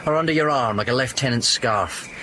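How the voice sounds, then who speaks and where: An actor playing a witty, mocking young soldier in a Shakespeare radio play, talking in an animated, theatrical way. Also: male voice, mid-range voice, fairly quick, background noise, natural voice. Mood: teasing.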